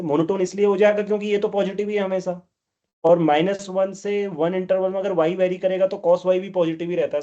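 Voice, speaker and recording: A man with a high, warm voice scolds and questions his students nonstop while teaching them math in a classroom lecture. The audio comes across as dull.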